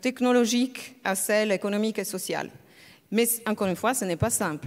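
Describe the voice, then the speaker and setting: On a very clean recording with a silent background, a woman with a non-native accent speaks at a moderate pace, with a fairly high pitch and fairly even intonation. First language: not French (speaking French). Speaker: economics professor. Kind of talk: conference panel discussion. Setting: conference panel with audience.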